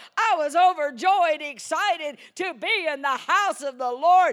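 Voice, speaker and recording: A woman is shouting in an animated tone. The recording is very clean with a silent background. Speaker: traveling evangelist preacher. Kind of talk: sermon. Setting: church with congregation.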